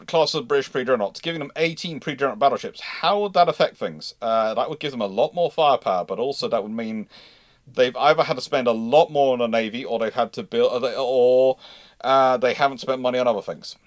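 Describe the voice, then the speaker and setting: A man's voice: medium pitch, a little fast, no echo, studio quality. A man hosting a live history question-and-answer discussion, rambling and often restating himself mid-sentence. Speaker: host of a live naval history Q&A.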